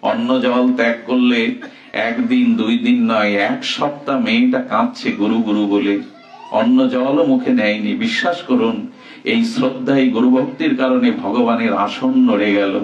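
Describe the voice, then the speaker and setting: A man's voice: medium pitch, fairly even intonation, unhurried. A man giving a dramatic, emphatic sermon, telling a devotional story. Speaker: scripture reciter, preacher. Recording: echoey, distant, dull mic.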